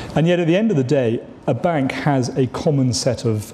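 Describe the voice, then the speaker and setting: Light background noise behind a male voice. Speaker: politician answering audience questions. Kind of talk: interview answer. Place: stage.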